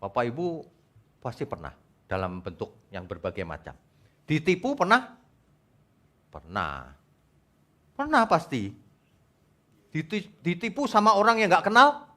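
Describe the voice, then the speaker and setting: A man's voice: a little high, huge pitch swings, a little slow, long pauses, sharp tone. A male pastor preaching a sermon to his congregation in church, asking them questions. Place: church service before a congregation.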